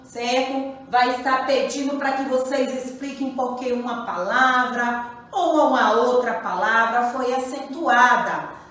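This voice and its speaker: Slow, high-voiced woman teacher. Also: a bit bright, very echoey, distant mic, rough recording. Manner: slow, patient, repeats questions to pupils. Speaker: primary school teacher. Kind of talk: recorded grammar lesson for children.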